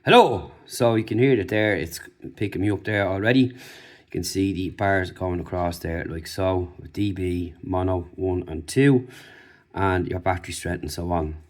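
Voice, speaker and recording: A man's voice: low-pitched, moderate pace, a little mellow. A man giving a casual, off-the-cuff product review, informally talking through what he is showing. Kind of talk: casual unboxing and review commentary.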